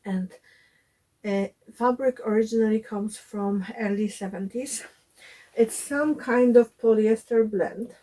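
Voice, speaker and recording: A woman's voice: mid-range voice, takes it slowly, warm tone, poor audio. A woman vlogging about sewing from her cottage home, chatty with frequent fillers, her voice a bit chesty while recovering from illness. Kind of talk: casual sewing vlog.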